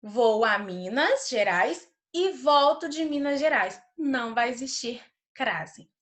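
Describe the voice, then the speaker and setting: A woman teacher walks through a recorded grammar lesson for children. Her voice sits a little higher than average, and she reads each example sentence slowly and deliberately. She checks in with the class again and again. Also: lively intonation, fairly bright tone. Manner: checks understanding with "certo?".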